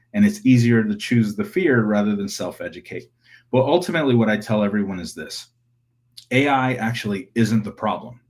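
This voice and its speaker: An ordinary speaking voice with an American accent, ordinary pitch variation and big swings in loudness, in a very clean recording with a silent background. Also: man, medium pitch for a man. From Los Angeles, California. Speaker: decolonial technologist. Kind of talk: interview.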